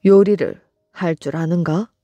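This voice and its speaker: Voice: mid-range voice, measured pace, dark tone, no room sound, dull audio, soft background music, lightly acted. A narrator voicing an approving, commanding court minister in a bedtime storybook. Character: approving high court minister, older man.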